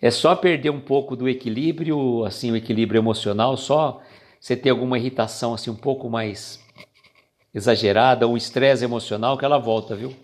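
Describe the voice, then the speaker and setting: A man with a Brazilian accent reflects on a spiritual text in a relaxed, conversational manner. His voice is mid-pitched. He slows down for the quoted passages, then riffs loosely with fillers. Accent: Brazilian Portuguese. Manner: reads passages slowly, then explains casually with fillers and jokes. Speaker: spiritist book commentator. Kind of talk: casual reflective reading and commentary.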